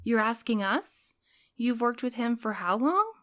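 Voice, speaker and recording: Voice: medium pitch, big pitch swings, measured pace, sharp tone. An actor voicing a cautious, rule-minded courier in an audio drama who worries and protests. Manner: anxious, protesting, a bit prim. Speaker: night courier Milo.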